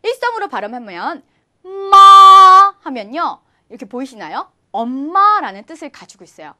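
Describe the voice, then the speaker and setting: A woman's voice: high-pitched, sing-song, a little fast, bright, forceful tone. A young woman teaching an online Chinese lesson, friendly and encouraging, often asking her viewers questions.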